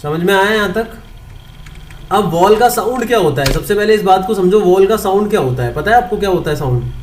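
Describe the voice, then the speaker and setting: A man's voice: high-pitched, expressive, a little fast, a little hiss or hum. A man teaching English grammar online, asking his students questions and answering them himself. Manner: mixes Hindi with English terms, repeats points.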